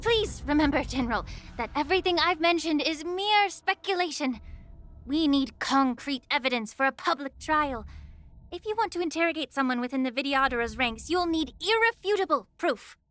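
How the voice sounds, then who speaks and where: A woman voicing a poised, shrewd official in a video game, speaking in a formal, measured, courteous way. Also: sits high, animated, a bit bright. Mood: firm, composed. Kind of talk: video game story dialogue.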